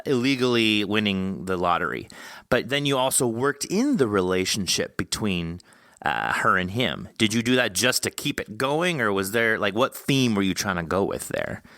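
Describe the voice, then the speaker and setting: A man with a fairly low, crisp and forward voice, recorded close and dry. He hosts in a conversational style, wandering through long, wordy questions as he works out his thoughts. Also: very animated, moderate pace, sharp tone, dry recording. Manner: wordy, rambling, thinking aloud. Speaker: podcast host interviewing an author. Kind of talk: casual interview chat.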